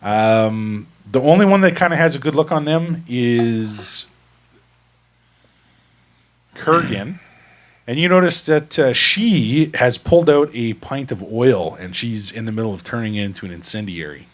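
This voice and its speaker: A man's voice: mid-range voice, lively intonation, measured pace. A man running a tabletop game as game master, describing the scene methodically. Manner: methodical, explanatory.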